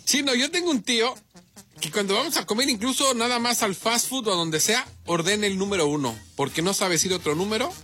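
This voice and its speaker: Man, co-host, high voice, playful, reads comments. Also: fairly quick, bright, forceful tone, soft background music. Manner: casual, playful. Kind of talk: comedy talk show, reading comments.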